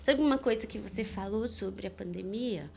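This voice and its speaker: A woman's voice: mid-range voice, normal speed, creaky, darkish tone, slight background noise. A woman hosting a podcast, prompting her guest and agreeing with short replies. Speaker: podcast host. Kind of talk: casual podcast interview.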